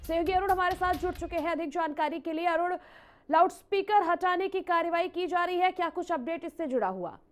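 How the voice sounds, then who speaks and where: A woman news anchor presenting breaking news live in an emphatic, repetitive way. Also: very high-pitched.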